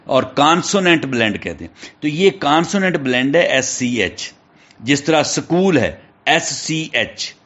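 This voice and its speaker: Male teacher, Pakistani accent, spells words slowly, muffled lo-fi recording. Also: on the high side, animated, a bit bright. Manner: spells words letter by letter, checks in with "theek hai". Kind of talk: classroom lecture. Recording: dull lo-fi recording.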